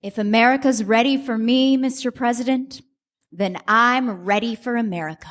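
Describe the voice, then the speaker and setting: Woman as a high-voiced, earnest action heroine. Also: moderate pace, close to an everyday voice. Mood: heroic, proud. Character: bold patriotic heroine agent, earnest and determined. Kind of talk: live comedic radio play acting.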